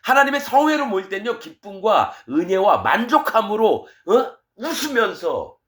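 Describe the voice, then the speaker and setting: A middle-aged man preaching a sermon as pastor, fiery and scolding, switching between loud outbursts and quiet asides. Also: high-pitched, very animated, moderate pace.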